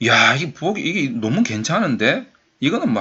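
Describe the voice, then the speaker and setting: A man's voice with very wide pitch swings. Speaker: thesis writing consultant. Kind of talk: lecture. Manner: conversational, many fillers.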